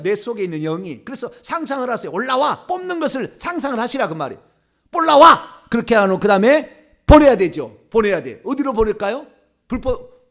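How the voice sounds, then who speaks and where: A male pastor preaching a sermon emphatically, moving between quiet asides and loud commands. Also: high-pitched.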